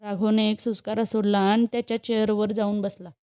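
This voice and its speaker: A woman storyteller reading a romance story aloud in a steady, measured way. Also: mid-range voice, no echo, highs cut off. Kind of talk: scripted storybook narration.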